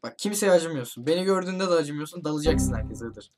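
Man excitedly commentating a horror game. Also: a little high, music in the background. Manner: hurried, shouts warnings to teammates. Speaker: gaming YouTuber. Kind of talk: excited let's-play commentary with friends.

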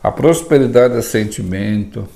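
A man with a Brazilian Portuguese accent, an herbalist giving spiritual advice in a casual chat, telling lively stories and acting out little dialogues. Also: mid-range voice, moderate pace, creaky.

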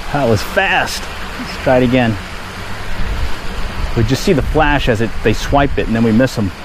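A man giving relaxed, chatty running commentary while fly fishing at a park pond, recorded on a head-mounted action camera. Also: mid-range voice, measured pace, pauses often. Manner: relaxed, chatty, pleased exclamations at each catch. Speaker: fishing vlogger. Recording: outdoor action-camera audio with background noise.

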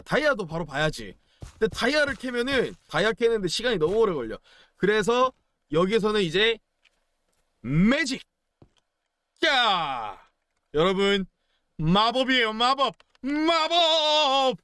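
Young male gaming commentator, high voice, very animated delivery, playful and chatty. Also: dry recording. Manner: playful, chatty, exclaims and chants while playing. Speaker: gaming YouTuber. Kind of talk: casual game commentary.

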